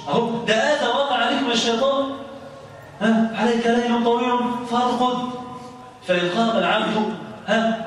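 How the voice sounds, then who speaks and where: A man's voice: sits high, a bit bright, a little hiss or hum. A man with an Egyptian accent giving a colloquial mosque sermon, often asking his listeners questions and answering them himself. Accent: Egyptian Arabic. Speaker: preacher. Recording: echoey mosque hall from far off.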